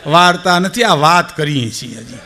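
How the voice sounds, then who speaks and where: Animated older Gujarati storyteller man. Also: on the high side, moderate pace, music in the background. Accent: Saurashtra Gujarati. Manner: animated, acts out quoted speakers, addresses audience as sir. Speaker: folk storyteller. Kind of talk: dayro storytelling to a live audience.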